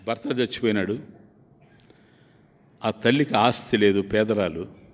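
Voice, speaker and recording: A swami gives a religious discourse, telling an emotive story sermon-style and often addressing his listeners directly, heard in a long hall reverb. His male voice is fairly low and measured in pace.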